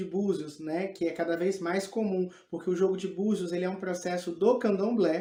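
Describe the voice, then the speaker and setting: A man with a high pitch and a dark, mellow tone talks at a moderate pace. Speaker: Umbanda priest and teacher. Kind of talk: lecture. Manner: casual, conversational.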